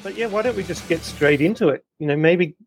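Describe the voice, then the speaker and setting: A man's voice: sits high, a little fast, gravelly, faint music behind, low-quality recording. A man hosting a business podcast, introducing guests and asking easygoing questions. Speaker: podcast host. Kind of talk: podcast host interview.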